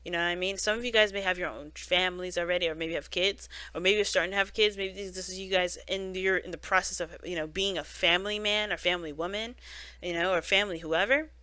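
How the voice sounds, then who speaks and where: Talking fast in a steady, mid-range voice that is bright and forceful, a tarot reader rambles through a casual spoken reading, leaning on "you know" and "right?" and correcting herself with many restarts. There's no echo.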